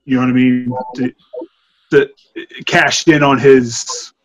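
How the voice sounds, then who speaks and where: A man's voice: mid-range voice, takes it slowly, no echo, poor audio. A man in his thirties co-hosting a horror podcast, reviewing a film in a loose, rambling way and laughing often, over a desk mic on a video call from home. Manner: rambling, laughing, animated when amused. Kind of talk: casual film review chat. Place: home room.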